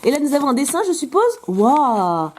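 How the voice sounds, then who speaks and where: A woman opening fan mail in a casual vlog, chatty and gushing, her voice still rough from being sick. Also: high voice, racing. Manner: chatty, gushing over drawings, interrupts herself. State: recovering from illness, voice a bit rough.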